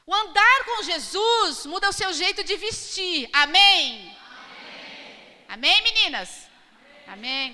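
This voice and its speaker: A woman's voice: high-pitched, pushed and bright. A Brazilian woman pastor delivering an emphatic sermon, questioning her congregation. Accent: Brazilian Portuguese. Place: church hall. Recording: long hall reverb.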